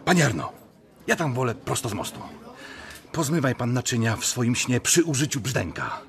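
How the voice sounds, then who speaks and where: A pushy businessman in a radio play. His mid-pitched male voice moves up and down a lot, blunt and eager to close the deal. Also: sing-song, normal speed. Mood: businesslike, pushy. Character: brisk, pushy businessman striking advertising deals. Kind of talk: radio drama acting.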